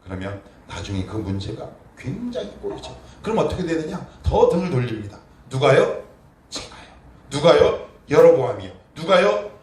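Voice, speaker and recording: A male pastor preaching a sermon emphatically, posing rhetorical questions and answering them himself, moving between quiet and forceful delivery. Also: a little high, sing-song, normal speed. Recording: roomy echo, distant mic, faint noise.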